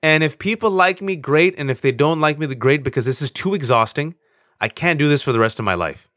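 A man in his forties talking candidly as an interview guest, earnest and animated, with self-mocking storytelling. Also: a little high, a little fast, no echo, clean studio sound. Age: 40s. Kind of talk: candid conversation.

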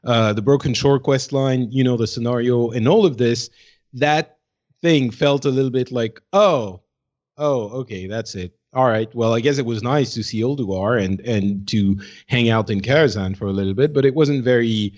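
A man with a mid-pitched voice co-hosts a casual gaming podcast over a slightly dull, lo-fi feed. He is measured and a little hesitant, circling back on words as he thinks. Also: a little mellow. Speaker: podcast co-host.

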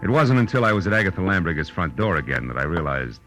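A wry American private eye of 1940s radio drama. His deep voice moves expressively through clipped, world-weary lines. It comes over a vintage broadcast with some music. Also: big pitch swings, fast talker, a bit bright. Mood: wry narration. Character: hard-boiled male private detective, wry and patient.

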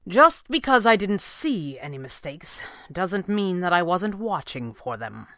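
A woman voicing a stern, stoic male crime-fighting boss with a wry, clipped, deadpan manner in an audiobook. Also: medium pitch, moderate pace, no room sound, clean studio sound, voice pushed up, lightly acted. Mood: stern scolding.

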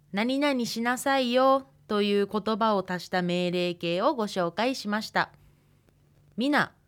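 A woman's voice: on the high side, clear, resonant tone. Woman in her twenties, radio language teacher, thinks aloud while explaining. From Hokkaido, Japan. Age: 20s. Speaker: language instructor.

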